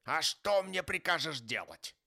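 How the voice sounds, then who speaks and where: A man's voice: lowish voice, very animated, measured pace, sharp tone, full character voice. A man reading an audiobook voices a grumpy, stingy old miser who talks in a scornful, harsh, snapping way. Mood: grumbling.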